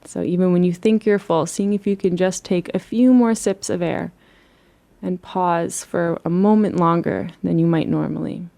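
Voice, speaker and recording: A woman leading a guided relaxation as a meditation teacher, speaking in a soothing, gentle and unhurried way. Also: lowish voice, steady tone, creaky.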